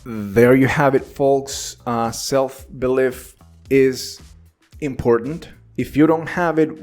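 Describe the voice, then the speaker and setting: A man whose first language is Spanish, giving an earnest, encouraging English lesson straight to the viewer with animated delivery. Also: mid-range voice. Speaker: English teacher. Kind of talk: direct-to-camera English lesson.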